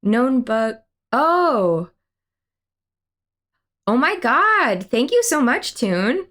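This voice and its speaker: A woman's voice: on the high side, sing-song, drawn-out words, fairly bright tone. A young woman chatting casually on a game stream, rambling through a story and reading chat aloud. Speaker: livestreamer.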